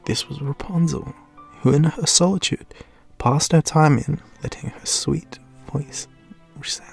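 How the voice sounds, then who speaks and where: Aussie guy doing storybook narration, slow n super gravelly, expressive, drops to a hush. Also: mid-range voice. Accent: Australian. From Australia.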